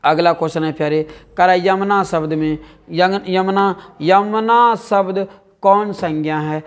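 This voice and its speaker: A male teacher with a Bihari accent leads an exam-prep lesson in a high voice at a measured pace. He drills answers by repeating words again and again and keeps quizzing the class, addressing his students as "dear".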